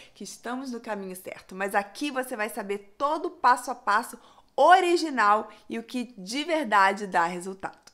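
Against a quiet background, a woman with a high pitch talks at a moderate pace in an animated tone with lively intonation. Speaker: reporter, presenter and video coach; reporter, presenter, video coach. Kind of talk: tutorial. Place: home room.

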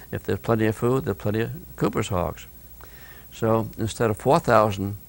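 This man talks at a fairly low pitch with vocal fry. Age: 80s+. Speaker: retired state wildlife official. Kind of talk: interview answer. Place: studio.

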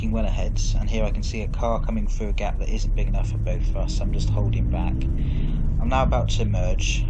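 At a fairly quick pace, a man talks through loud background noise. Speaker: driving instructor. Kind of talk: driving commentary. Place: car.

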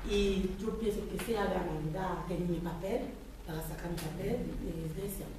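A woman speaks at a moderate pace and medium pitch with fairly even intonation, amid strong room echo and noticeable background noise. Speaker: refugee asylum seeker. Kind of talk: interview answers. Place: classroom.

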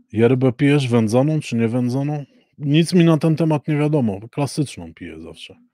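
This man has a dark, mellow tone and lively intonation, with big swings in loudness at a moderate pace. The sound is dry with no echo, over a quiet background. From Poland. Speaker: vlogger; live streamer. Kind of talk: live stream chat with viewers. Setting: live stream. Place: studio. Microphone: webcam.

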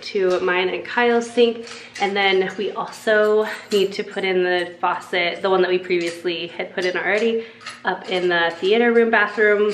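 A woman at a moderate pace with fairly even intonation, audible room echo and light background noise. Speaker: home vlogger. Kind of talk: casual vlog chat. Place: bathroom. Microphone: phone near.

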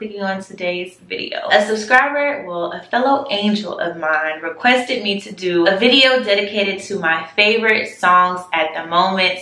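Audible room echo follows a woman whose speech has ordinary pitch variation. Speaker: beauty vlogger. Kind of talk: casual vlog chat. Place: bathroom.

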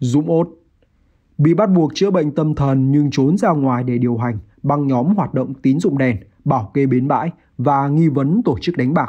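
At a fairly quick pace, a normal speaking voice carries ordinary pitch variation. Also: man, fairly high pitch for a man. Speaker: YouTube narrator. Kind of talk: scripted narration. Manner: formal.

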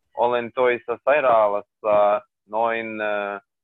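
A man's voice at a medium pitch, its intonation fairly even. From Mariupol, Ukraine. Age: 20s. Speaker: doctor, language learner. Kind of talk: language lesson. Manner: halting.

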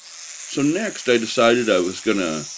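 An unremarkable speaking voice with ordinary pitch variation and light background noise. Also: man. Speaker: welding instructor. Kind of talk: tutorial narration.

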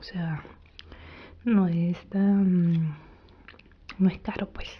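A woman speaks over light background noise. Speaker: ASMR creator. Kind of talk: ASMR video, casual talk to camera. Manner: soft-spoken, low voice, not whispering.

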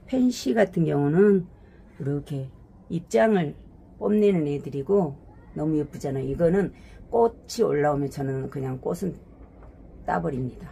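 At a fairly slow pace with long, frequent pauses, a woman speaks in a very deep, low, dark and mellow voice that is somewhat breathy, with lively intonation over light background noise. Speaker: gardening video creator. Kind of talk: casual vlog walkthrough. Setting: indoors, plant room at home. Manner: chatty, laughs often. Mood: warm, proud, relaxed. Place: home room. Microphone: phone near.

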